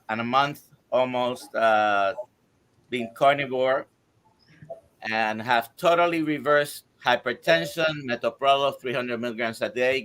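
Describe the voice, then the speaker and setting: A man in his sixties talks as a guest doctor on a live stream. His voice sits at an ordinary middle pitch. He moves haltingly, with fillers, and runs through a list of items. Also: a bit bright, clear, resonant tone. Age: 60s. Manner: halting, many fillers, lists items briskly. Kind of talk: casual testimony on a live stream.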